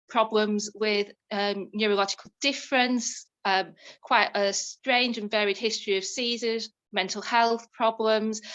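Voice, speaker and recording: Woman in an English accent, fairly high-pitched, monotone and flat, at a fairly slow pace. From northern England. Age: 30s. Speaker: novelist. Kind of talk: interview.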